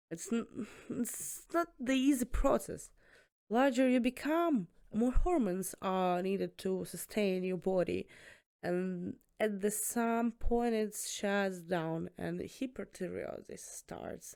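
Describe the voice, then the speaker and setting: The speaker has a strong Eastern European accent and talks very slowly. The recording is very clean, with a silent background. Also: woman, medium pitch for a woman, lively intonation. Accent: thick Eastern European. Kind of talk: podcast interview answer. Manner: casual, hesitant.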